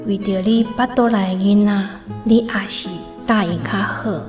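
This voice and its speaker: A woman's voice: medium pitch, steady tone, normal speed, over music, lightly acted. A woman with a Taiwanese accent playing a protective tribal mother in a radio drama. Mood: resigned. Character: protective, practical tribal mother advising her daughter.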